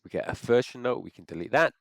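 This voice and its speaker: A man with a cold, sounding congested, talking through a software install step by step and thinking aloud as he clicks. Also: medium pitch, animated, fast talker, creaky, no echo. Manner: thinks aloud with frequent restarts. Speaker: software tutorial presenter. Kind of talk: screen-recorded how-to walkthrough.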